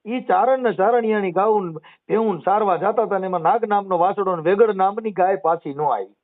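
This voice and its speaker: A man explaining devotional verses and old history on a phone call, sometimes chanting couplets slowly. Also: high-pitched. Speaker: social media personality taking calls. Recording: tinny phone call recording.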